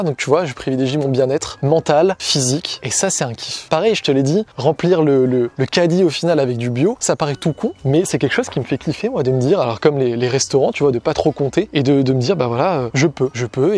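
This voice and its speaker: A man's voice: medium pitch, a little mellow. A young man vlogging casually, a copywriting coach chatting straight to the viewer with lots of fillers and restarts. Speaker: online entrepreneur and copywriting coach. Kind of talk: casual direct-to-camera vlog.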